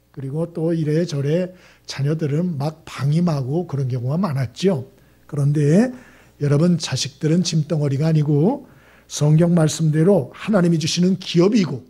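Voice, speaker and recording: High-voiced husky male pastor preaching. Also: dark tone. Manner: storytelling, acting out quoted family dialogue; asks the congregation rhetorical questions. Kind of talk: Sunday sermon. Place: church sanctuary.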